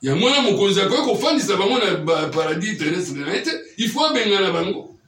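A man's voice: high-pitched, sing-song, fast talker, a bit bright. A man preaching a teaching sermon, often checking that his listeners follow him with questions. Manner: keeps quizzing listeners with questions. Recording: echoey room, mic far off.

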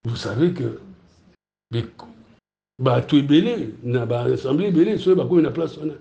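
A man with a Congolese French accent preaching a sermon, teaching in lively bursts and often asking his congregation whether it is clear. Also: medium pitch, normal speed, highs cut off. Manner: animated, asks the room if it is clear, laughs between points. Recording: roomy, echoey hall.

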